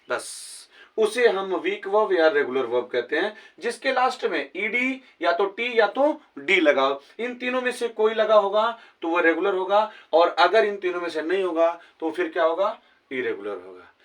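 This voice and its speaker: A man teaching a grammar lesson with a Hindi accent, his voice sitting fairly high. He keeps asking rhetorical questions to check that his students follow. The mic is set a little way back, so he sounds distant. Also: fairly bright tone. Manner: asks many rhetorical questions to check understanding. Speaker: English teacher.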